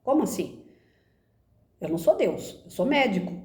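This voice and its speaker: A woman with a Brazilian Portuguese accent quoting a calm, serious male doctor who speaks in flat, matter-of-fact replies. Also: mid-range voice, moderate pace, lightly acted. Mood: calm, firm. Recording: roomy echo.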